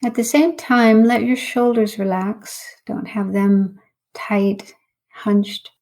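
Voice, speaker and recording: Slow, mellow woman guiding meditation. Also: medium pitch, fairly even intonation. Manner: unhurried, instructional, with long pauses. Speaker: Buddhist meditation teacher. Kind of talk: guided meditation.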